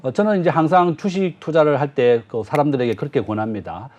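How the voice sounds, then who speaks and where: A man, a business professor, giving measured economic commentary as a guest, with frequent filler pauses. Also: a little high, darkish tone, slight background noise.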